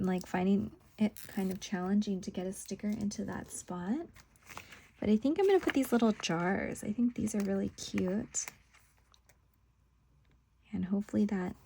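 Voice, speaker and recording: A woman's voice: medium pitch, vocal fry, mellow, a little hiss or hum. A woman casually talking through what she is doing as a craft video host, trailing off into murmurs as she concentrates. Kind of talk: casual plan-with-me chat, narrating while working.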